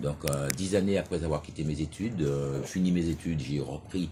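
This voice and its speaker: A man speaks at a fairly slow pace in a very deep, low pitch, his dark, mellow tone showing vocal fry and ordinary pitch variation. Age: 60s. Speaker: lawyer and environmental activist. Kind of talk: interview. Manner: hesitant, many fillers.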